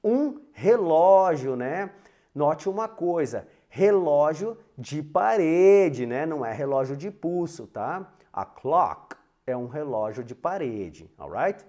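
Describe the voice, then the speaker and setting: A man's voice: on the high side, sing-song, takes it slowly, dark tone. A Portuguese-speaking man teaching an English grammar lesson, having students repeat phrases after him and tagging lines with "né?" and "alright?".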